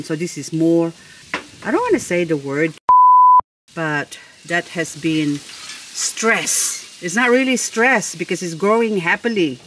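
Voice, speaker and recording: A woman's voice: deep voice, slight background noise, low-quality recording. A woman vlogger chatting casually about her plants, gushing and admiring, with a playful, chatty way of talking. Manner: playful, jokes with herself. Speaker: succulent-growing vlogger. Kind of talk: casual show-and-tell chat.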